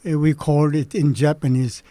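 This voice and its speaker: A man in his eighties, native Korean speaker, recalling his childhood in a halting way with many pauses. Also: on the high side, fairly even intonation, warm tone, dry recording. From Manchuria. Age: 80s. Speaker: guest. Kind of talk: recalling memories in an interview.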